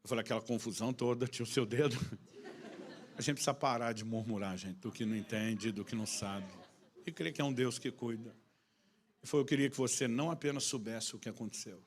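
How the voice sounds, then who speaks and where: Fast-talking Brazilian pastor telling stories. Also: male voice, mid-range voice. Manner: animated, humorous anecdotes with acted dialogue. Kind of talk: sermon storytelling.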